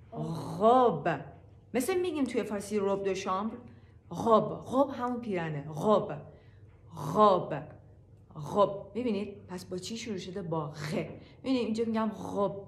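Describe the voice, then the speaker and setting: Echoey woman teaching slowly, repeating words. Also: mid-range voice. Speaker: French teacher. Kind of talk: casual language lesson.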